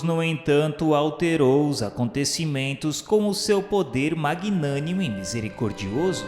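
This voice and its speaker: Slow, solemn Brazilian man narrating in echo. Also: a little high, a little mellow. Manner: measured, grandiloquent delivery. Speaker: narrator of a religious radio novela. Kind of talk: solemn scripted dramatic narration. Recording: reverberant hall echo, music underneath. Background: background music.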